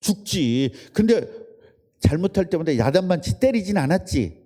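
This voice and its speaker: A man's voice: high-pitched, big pitch swings, normal speed, warm tone. A man preaching a casual sermon, chatting with and quizzing his congregation and its children. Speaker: pastor. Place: church service room.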